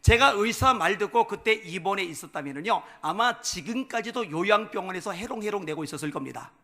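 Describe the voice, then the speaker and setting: A male pastor delivers a revival sermon in a church sanctuary. His voice sits high and sounds bright and forceful. He shifts between soft, confiding storytelling and loud, rousing proclamation. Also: expressive, a little fast. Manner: builds from quiet storytelling to loud shouted preaching.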